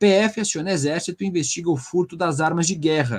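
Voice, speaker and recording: With a São Paulo accent, a man speaks at a fairly quick pace in a high pitch and lively intonation. The sound is dry and close, with no echo. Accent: São Paulo (paulistano). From Brazil, São Paulo-born, raised in Santa Catarina. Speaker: news show host. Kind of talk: news commentary show. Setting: home studio, live stream. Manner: casual, with frequent fillers.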